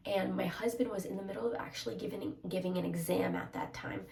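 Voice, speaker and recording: A woman's voice: mid-range voice, steady tone, fast, creaky, reverberant, far from the mic, crowd noise, low-quality recording. A young woman with a stuffy, congested voice, candidly talking to her camera in a personal vlog, hesitant and full of fillers. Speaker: vlogger.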